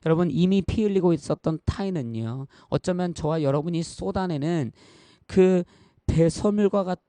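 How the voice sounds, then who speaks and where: A pastor in his thirties preaches in a church, earnest and conversational, often turning to the congregation and sharing personal stories. His voice sits high with a warm tone at normal speed, and there's no echo.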